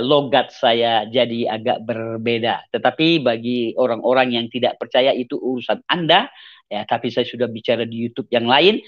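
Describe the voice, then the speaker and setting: A middle-aged man from Aceh, Indonesia, with a mixed Acehnese accent, giving an earnest personal testimony as an evangelist. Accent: Acehnese with mixed Medan, Timor and Malaysian traces. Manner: earnest, repetitive, sudden rises in pitch for emphasis. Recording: slightly dull lo-fi audio.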